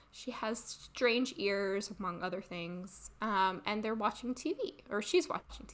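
A woman speaks at a fairly high pitch with lively intonation and vocal fry, her loudness swinging widely. Her pace is very slow, yet there are hardly any pauses. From Italy. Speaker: book podcast co-host. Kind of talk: casual chat. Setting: at home in her room.

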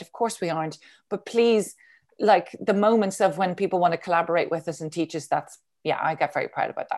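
Speaking at a very fast pace in an Irish accent, a woman at medium pitch shows ordinary pitch variation on a very clean recording with a silent background. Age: 50s. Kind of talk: interview.

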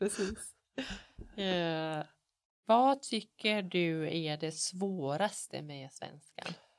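The speech goes at a very slow pace, with ordinary pitch variation and big swings in loudness. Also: woman, fairly low pitch for a woman. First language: not Swedish (speaking Swedish). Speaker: language teacher and podcast host. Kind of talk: casual interview.

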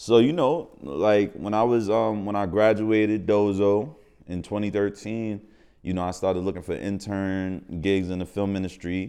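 With a New York accent, a man speaks at a moderate pace in a fairly low pitch with ordinary pitch variation. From Jamaica, Queens, New York. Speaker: actor. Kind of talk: casual chat. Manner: animated.

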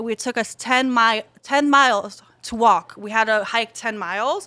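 A woman with a Polish accent speaks at a fairly slow pace in a fairly high pitch, her tone bright and sharp, with ordinary pitch variation on a very clean recording with a silent background. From Poland. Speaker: adult film performer. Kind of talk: casual interview.

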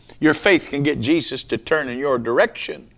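The clip has an unremarkable speaking voice at a fairly quick pace. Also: man. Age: 50s. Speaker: evangelist, host's father. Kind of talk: casual chat with preaching.

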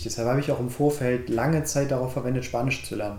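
With audible room echo, a man of medium pitch speaks at a fairly quick pace with ordinary pitch variation. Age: 30s. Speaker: adventurer and sports teacher. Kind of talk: interview. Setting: in person.

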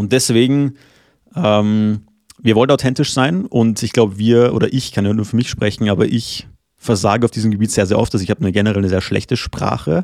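Here a man talks at a fairly quick pace with a medium pitch and ordinary pitch variation. It is a normal speaking voice. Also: very clean recording, silent background. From Austria (German parents). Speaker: podcast co-host. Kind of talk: casual chat.

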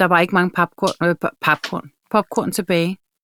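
A woman speaks at a fairly slow pace in a plain, everyday voice, medium in pitch, with fairly even intonation. The sound is dry and close, with no echo. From Denmark, Copenhagen area (Dragør). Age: 40s. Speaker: podcast co-host. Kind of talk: casual chat.

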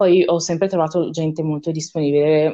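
The woman's pitch is very deep and low. She talks with monotone, flat intonation. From northern Italy, Veneto (Vicenza). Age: 20s. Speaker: social media page admin. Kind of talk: casual interview.

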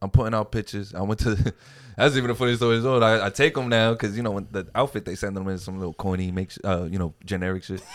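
A man with an American accent and a fairly low pitch at a very fast pace, on a very clean recording with a silent background. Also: ordinary pitch variation. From Boston, Massachusetts (Dorchester). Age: 30s. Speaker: comedian and puppeteer. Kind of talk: casual chat. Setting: studio.

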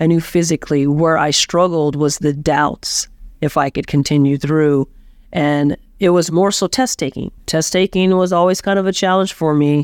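A speaker with an American accent keeps the loudness very even and the intonation fairly even. The recording is very clean, with a silent background. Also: woman, very deep, low pitch for a woman, moderate pace. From small-town Colorado. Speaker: firefighter lieutenant. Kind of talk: interview. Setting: studio.

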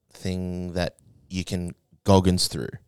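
In an Australian accent, a man speaks very slowly in a very deep, low voice. The sound is dry and close with no echo, on a very clean recording with a silent background. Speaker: podcast host. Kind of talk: casual chat. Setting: studio.

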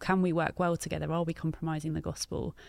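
A woman's very deep, low voice with vocal fry, very fast and monotone with flat intonation, on a very clean recording with a silent background. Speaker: mission organization field director. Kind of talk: panel discussion. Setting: recorded in a church.

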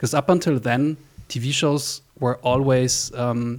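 A man with a German accent talks at a very slow pace, his intonation fairly even. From Germany. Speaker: visual effects artist. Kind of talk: interview. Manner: hesitant, many fillers.

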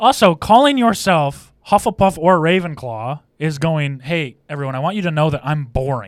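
Using a normal speaking voice, a man with an American accent speaks at a moderate pace and a fairly high pitch with lively intonation. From Detroit, US Midwest. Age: 20s. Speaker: podcast co-host. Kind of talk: casual chat.

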